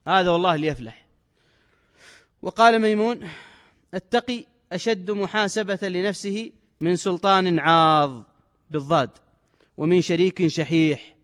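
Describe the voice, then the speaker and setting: A man's voice: sits high, moderate pace, pauses often. A man giving a religious lesson, reading old texts with raised emphasis and explaining them in dialect. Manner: reads quotes in formal Arabic with raised emphasis, then explains in dialect. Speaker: religious teacher. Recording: long hall reverb.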